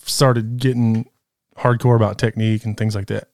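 A man in his thirties, a guest in a casual interview, talking in a relaxed, candid way. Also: lowish voice, normal speed, no room sound, clean studio sound. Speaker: guest rider.

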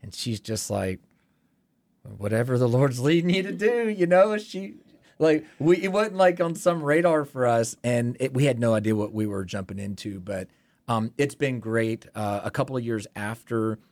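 A man's voice: medium pitch, moderate pace, a little mellow, dry recording. A man, a pastor from Tennessee, candidly telling his story as a podcast guest. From Tennessee, USA.

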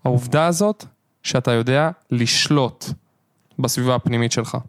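A man hosting a podcast, reflecting on his own habits in casual chat and thinking out loud. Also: medium pitch, dry recording, clean studio sound. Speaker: podcast host.

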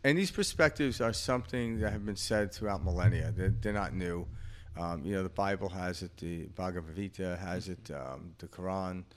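A man's voice: low-pitched, normal speed, hardly any pauses. A man in his fifties co-hosting a podcast, talking in a rambling, reflective way with lots of fillers and easy laughter. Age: 50s. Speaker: podcast co-host. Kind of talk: casual spiritual chat.

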